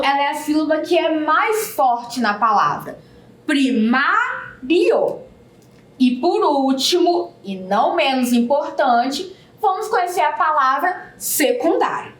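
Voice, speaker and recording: A woman teaches a recorded video lesson. Her voice is high, and she breaks words into syllables at a slow, careful pace. She sounds a little far from the mic in an echoey room. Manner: slow, deliberate syllable-by-syllable explanation.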